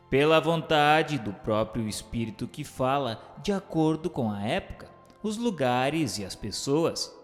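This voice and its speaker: A man reading scripted narration and questions for a radio drama in a formal, declamatory manner. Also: medium pitch. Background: music behind the voice.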